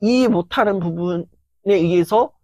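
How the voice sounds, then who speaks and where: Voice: mid-range voice, a little slow, no room sound. Worn-voiced earnest motivational lecturer. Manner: earnest, acts out inner voices with sudden loud outbursts. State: voice worn down after hours of filming. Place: filming session.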